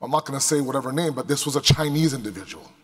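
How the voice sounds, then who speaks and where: A man's voice: mid-range voice, animated, very fast, slightly rough. A man preaching a Muslim sermon to a congregation, speaking emphatically with rhetorical questions and repetition. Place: large indoor hall before a crowd. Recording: echoey hall with long reverb.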